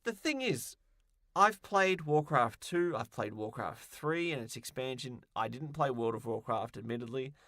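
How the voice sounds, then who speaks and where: A man's voice: medium pitch, expressive, moderate pace, fairly bright tone, no echo, clean studio sound. A man co-hosting a podcast, chatting casually about what he is reviewing with wry, sarcastic humour. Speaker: podcast co-host.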